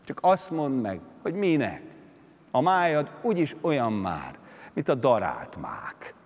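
A man's voice: medium pitch, wildly swooping pitch. A man voicing a mocking male vulture that talks in a dry, sardonic way, in a reverberant concert hall. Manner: sardonic, matter-of-fact.

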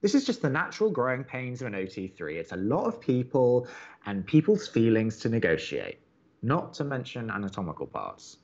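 An upbeat young college radio co-host in a romantic comedy podcast. He is chatty, wry and earnest, with a lively, moving pitch. The sound is slightly muffled. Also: normal speed. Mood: reassuring. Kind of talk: romantic comedy audio drama dialogue.

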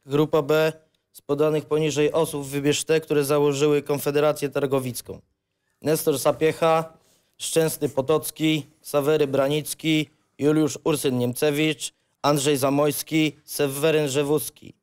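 A man's voice: fairly high pitch, little pitch movement, a little slow, darkish tone, clear, resonant tone, lightly acted. An actor playing a stern, suspicious male professor in his late sixties with a strict, formal manner. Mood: dictating. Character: stern, suspicious old male history professor, sixty-eight.

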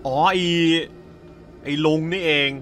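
Bright, excitable male game streamer. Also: slow pace, soft background music. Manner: excitable, exclaiming, joking. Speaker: gaming host. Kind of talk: casual let's-play commentary.

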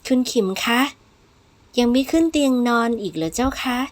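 Woman doing a timid young maid, polite, hesitant, high voice, audiobook drama. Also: very animated, normal speed. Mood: coaxing. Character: timid young female servant, deferential.

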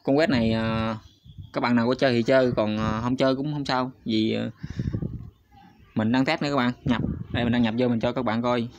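Speaking a little fast at medium pitch with fairly even intonation, a man hosts a casual screen-recorded walkthrough on his YouTube channel. He chats hesitantly, relying on fillers and constant asides to viewers. Slight background noise accompanies the somewhat dull, lo-fi recording.

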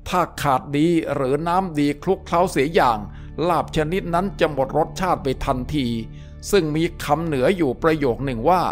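A male storyteller reads an adventure novel aloud in a steady, descriptive manner. His voice sits somewhat high for a man. Faint music plays underneath. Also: moderate pace. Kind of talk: audiobook-style story narration.

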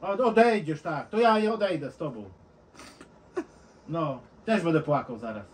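A man's voice: a little high, moderate pace, slight background noise. A man in casual chat, coaxing and insistent, who soothes the other man when he cries.

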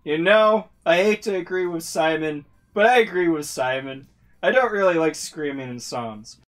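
A YouTuber reading a visual novel aloud with slow, laughing, swearing commentary. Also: mid-range voice, faint music behind. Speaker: let's-play YouTuber.

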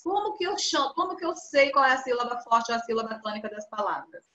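Brazilian woman, primary teacher on a video call, patient and coaxing, bright tone, echoey dull sound. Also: on the high side, animated. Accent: Brazilian Portuguese. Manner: patient, coaxing, drawn-out words for children. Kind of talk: online class teaching.

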